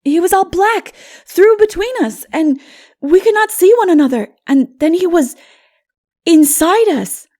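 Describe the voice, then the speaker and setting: A woman voicing an earnest, innocent, frightened little boy in a dramatic storybook reading, with halting, childlike delivery. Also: very high voice, expressive, mellow, pitched above the performer's own voice. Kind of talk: dramatic audiobook character reading.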